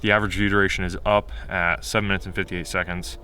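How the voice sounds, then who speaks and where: A man talking in a casual, unscripted vlog style, candid and rambling as he thinks aloud, his voice getting a little hoarse. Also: sits low, flat delivery, quick pace, sharp tone, slight background noise. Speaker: video creator.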